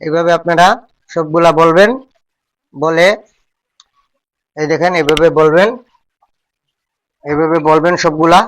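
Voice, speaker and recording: A man with a high voice and a narrow, flat melody teaches a folk-healing ritual step by step. He goes back over each instruction again and again as he demonstrates. His voice sounds a little distant from the microphone. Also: unhurried, long pauses.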